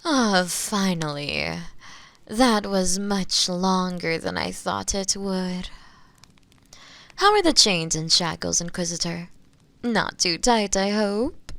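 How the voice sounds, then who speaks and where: Slow, creaky-voiced seductive witch, acted by a woman. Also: fairly low pitch, lively intonation, a bit bright, no echo, exaggerated voice. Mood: teasing, mock-apologetic. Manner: unhurried, teasing, condescendingly sweet, often drops into whispers. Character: sly, seductive female witch captor, possessive and self-assured. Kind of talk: roleplay audio drama, spoken to the listener.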